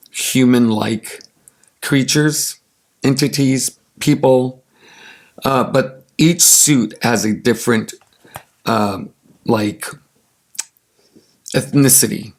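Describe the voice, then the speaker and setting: A raspy man with allergies, casually chatting and enthusiastically showing off tarot cards, with many ums and uhs. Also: mid-range voice. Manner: gushing, enthusiastic, with many fillers. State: congested from allergies. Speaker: tarot deck reviewer.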